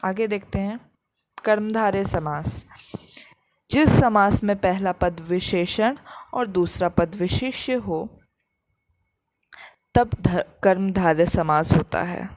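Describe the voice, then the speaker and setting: A woman's voice: mid-range voice, takes it slowly, pauses often, darkish tone, no echo. A woman teaching a grammar lesson, patiently repeating each example and explaining it step by step.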